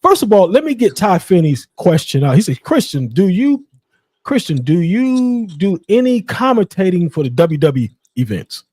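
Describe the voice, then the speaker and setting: Mellow man hosting a casual livestream. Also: sits high, sing-song, normal speed, slightly rough, dry recording. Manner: rambling, repeats himself. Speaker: host of a live boxing call-in show.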